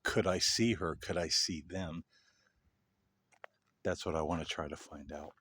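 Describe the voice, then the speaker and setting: A man talking casually and unscripted to camera as a paranormal vlog host, with a halting delivery that pauses mid-sentence. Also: deep voice, steady tone, a bit bright, husky. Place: parking lot at night.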